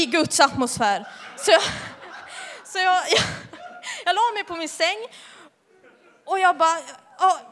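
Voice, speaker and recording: Chatty young woman in reverberant church. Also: high voice. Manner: lively, chatty, laughs often. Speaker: youth leader giving a testimony. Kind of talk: church testimony. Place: church hall.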